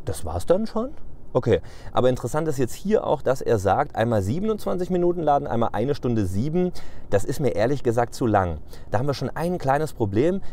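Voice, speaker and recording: A dark, mellow voice moves at a fairly quick pace with very wide pitch swings. The sound is dry, with no echo. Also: man. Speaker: car video creator. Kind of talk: tutorial. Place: car. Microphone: phone near.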